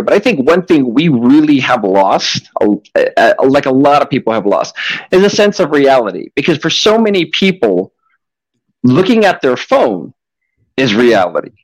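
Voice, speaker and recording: A man in his late forties hosting a casual podcast, talking in an animated, rambling way and swearing often. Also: a little high, no echo, poor audio. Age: 40s. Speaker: podcast host.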